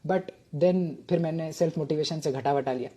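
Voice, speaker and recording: A man's voice: a little high, normal speed, mellow, husky. A man in his thirties, a retired army officer from Bengal, telling his own story in a chatty, humorous, self-mocking way. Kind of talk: casual storytelling monologue.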